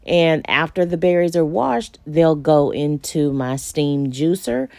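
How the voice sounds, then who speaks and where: A woman's voice: low-pitched, animated, takes it slowly, gravelly, a little mellow. A woman vlogger speaking in a casual, folksy instructional way, addressing her viewers directly as she explains things step by step. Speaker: homesteading vlogger demonstrating home canning.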